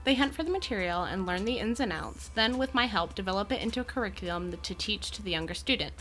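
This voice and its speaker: A woman's voice: mid-range voice, animated, fast, fairly bright tone, faint music behind, lightly acted. A woman playing an amiable, poised Gorgon educator in an audio drama, with articulate, genteel and reassuring phrasing. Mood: earnest, passionate.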